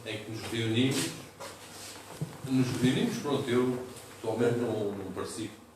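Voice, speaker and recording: A man's voice: medium pitch, moderate pace. A man, speaking in a casual group chat about a poetry gathering, often cutting in. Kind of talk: casual conversation. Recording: echoey room, distant mic, noise.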